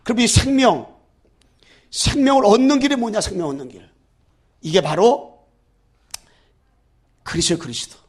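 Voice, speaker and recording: A man preaching a sermon as pastor, fervent, shifting between loud declarations and low asides, and leading the congregation in repeating phrases after him. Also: very animated, normal speed, long pauses, breathy edge. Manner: leads the congregation in call-and-repeat.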